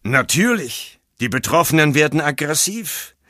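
A man's voice: fairly high pitch, very animated, moderate pace, bright, forceful tone, a little hiss or hum. A man performing lines in the style of a German horror radio drama. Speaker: voice actor.

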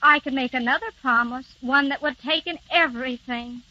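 An actress playing a scatterbrained, well-meaning young wife who chatters to please, in 1930s radio drama style on an old radio broadcast. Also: female voice, high-pitched, moderate pace, sharp tone, lo-fi sound, full character voice. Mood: contrite.

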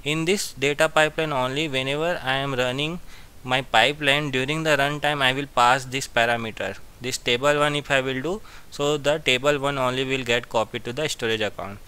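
A man giving a step-by-step software tutorial as an instructor, repeating his phrases as he goes. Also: medium pitch, fairly even intonation, fairly quick, clear, resonant tone. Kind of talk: screen-share software tutorial.

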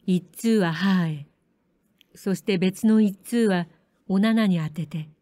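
A woman narrates a samurai-era story in a calm, measured reading. Her voice is mellow and warm, recorded close and dry with no room sound. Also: mid-range voice, dry recording. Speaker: audiobook narrator. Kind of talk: scripted narration of a period story.

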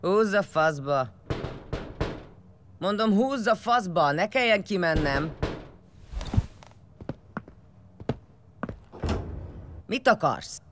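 An actress playing a middle-aged, foul-mouthed tribal warrior leader in an audio drama, blunt, scornful and commanding. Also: female voice, lowish voice, animated, over music, natural voice. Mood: angry, scornful.

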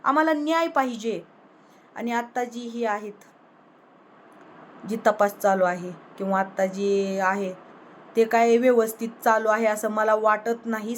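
A woman's voice: fairly high pitch, slight background noise. A woman vlogger in a political rant, angrily scolding a rival with rhetorical questions. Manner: angry, scolding, confrontational.

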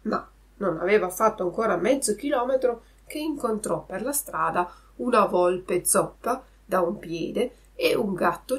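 A woman narrating a children's classic in a clear, measured read-aloud style as a podcast host. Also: mid-range voice.

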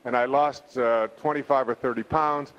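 A man's voice: medium pitch, fairly even intonation, normal speed, muffled recording, natural voice. A man putting on a frantic, distraught woman. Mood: pleading. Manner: breathless, gushing, pleading.

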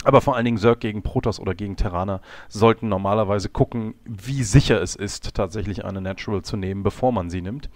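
A slightly hoarse man with a lowish voice talks through a game replay as a coach, calm and explanatory. He stops on fillers now and then and corrects his own words. The sound is close and dry. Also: fast, hardly any pauses, dry recording. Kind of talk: instructional commentary over a game replay.

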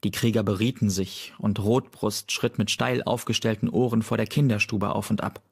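A man reading an audiobook aloud in steady storytelling narration. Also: fairly low pitch, moderate pace, creaky, breathy edge. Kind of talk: scripted narration.

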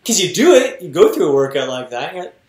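A man's voice: fairly high pitch, very animated, quick pace, a little mellow. A man in his thirties co-hosting a fitness podcast, talking earnestly and swearing casually, speaking through an earbud mic on a video call from home. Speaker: podcast co-host. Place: home room with bookshelves, indoors. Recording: echoey room.

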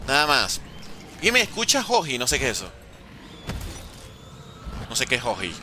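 A man's voice: mid-range voice, wildly swooping pitch, normal speed, background noise. A young man streaming a zombie game live, playfully joking, teasing his chat and swearing as he plays. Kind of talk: live gaming commentary, reading chat.

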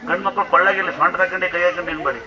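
A man with a Kannada accent, a temple priest instructing and blessing devotees at a fast, forceful pace. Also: sits high, fairly even intonation, background noise. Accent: Kannada, Karnataka. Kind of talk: loud public address to devotees. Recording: loud crowd behind.

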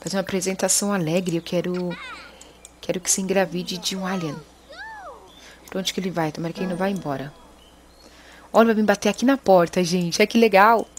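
A woman hosting a gaming video, chatty and excitable as she exclaims to her viewers. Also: on the low side, brisk, pauses often, slight background noise. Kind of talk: casual let's-play commentary.

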